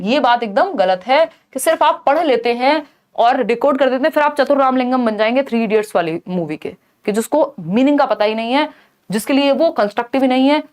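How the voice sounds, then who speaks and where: A woman teaches an exam-prep lesson in a fairly high voice. She reads each question out slowly and carefully. Then she speeds up to explain it, asking rhetorical questions and answering them herself. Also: darkish tone.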